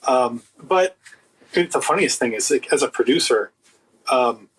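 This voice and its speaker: A man with a slightly husky voice speaking as an interview guest in casual, emphatic, opinionated, rambling talk. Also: mid-range voice, animated, a little slow, a bit bright, rough recording. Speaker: guest, audio producer and writer.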